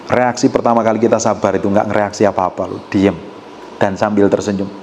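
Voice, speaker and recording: A male pastor, preaching a sermon and teasing the congregation, swinging between quiet asides and loud outbursts. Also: fairly low pitch, little pitch movement, fairly quick. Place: church hall with a congregation. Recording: echoey hall with faint room noise.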